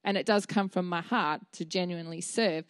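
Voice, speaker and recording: A woman in her thirties preaches in a relaxed, heartfelt way, with fillers and restarts. Her voice sits a little low. The handheld mic gives a close, dry sound. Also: normal speed, dry recording. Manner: earnest, candid, with fillers and restarts. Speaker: church speaker. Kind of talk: conversational sermon. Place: dim church stage with a small seated audience.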